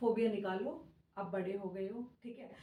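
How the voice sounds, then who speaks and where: A quiet woman's voice at a moderate pace, with audible room echo. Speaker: online exam coaching teacher. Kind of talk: tutorial. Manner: quiet, low energy; halting, many fillers.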